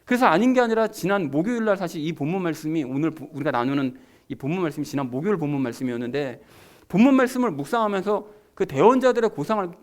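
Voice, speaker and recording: A man preaching a sermon as pastor, talking conversationally and emphatically to his congregation. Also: high voice.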